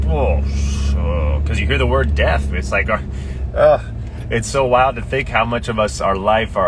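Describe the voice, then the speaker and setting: A man's voice: lowish voice, background noise. A man giving an unscripted motivational talk to a live audience, musing through rhetorical questions and repeating phrases for emphasis. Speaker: livestream host.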